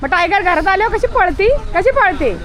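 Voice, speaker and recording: A woman's voice: very high voice, animated, brisk. A woman vlogging outdoors, coaxing and scolding her pet dogs in casual, chatty talk. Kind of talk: casual talk to pets and neighbors.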